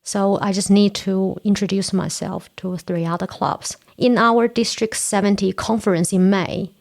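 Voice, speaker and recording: A woman's voice: medium pitch, fairly even intonation, moderate pace, creaky, darkish tone. A woman in her forties from China, whose first language is Korean, speaking earnestly as an interview guest. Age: 40s. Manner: earnest, explains step by step. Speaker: podcast guest, Toastmasters area director. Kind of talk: casual interview chat.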